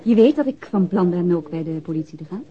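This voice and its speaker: An actress playing a friendly, frank and quietly determined woman in a radio drama. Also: lowish voice, animated, fast talker, lightly acted. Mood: earnest, determined. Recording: dull lo-fi old radio recording.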